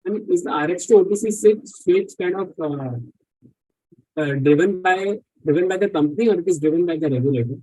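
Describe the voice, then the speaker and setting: Husky, mellow male questioner. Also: high-pitched, brisk, dry recording, poor audio. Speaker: questioner on an earnings call.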